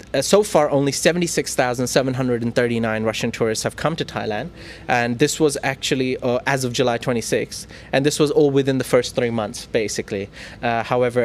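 A man's voice: mid-range voice, slight background noise. A man hosting a casual news chat, talking in a playful, teasing way with plenty of fillers. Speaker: news show host.

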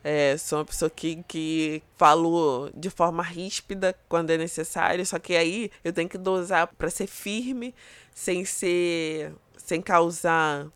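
A woman's voice: fairly low pitch, steady tone, slow, clear, resonant tone, no echo. A woman chatting on a podcast, telling a personal story with many casual fillers.

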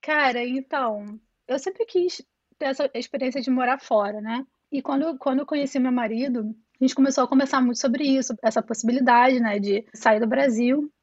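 A woman's voice: sits high, a little fast, no echo, muffled recording. Chatty Brazilian woman with a Rio accent. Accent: Rio de Janeiro, Niterói. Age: 30s. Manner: chatty, full of fillers and restarts. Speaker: interview guest. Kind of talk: casual conversational interview. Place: home in Toronto over a call.

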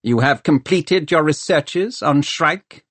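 A man's voice: a little high, takes it slowly, a bit bright, dry recording, voice pushed up. A man voicing a scheming male city ruler who speaks in a clipped, commanding way. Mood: cold command.

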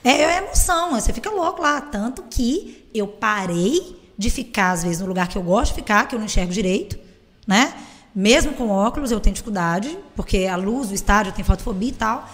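A woman, a teacher and football fan, telling stories in a casual chat, animated and swearing freely. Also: medium pitch, brisk. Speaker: guest. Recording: hall reverb.

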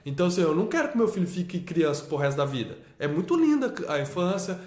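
A man's voice: high voice, big pitch swings, fast talker, a little mellow, roomy sound. A man with a Brazilian accent, a homeschooling father talking emphatically in a casual conversation, often repeating himself and adding tag questions. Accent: Brazilian Portuguese.

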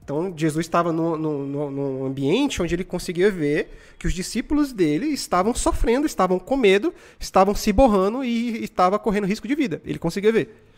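A Brazilian man in his twenties hosting a live stream, telling stories in casual, slangy, animated motivational chat. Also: sits high, fairly quick. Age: 20s.

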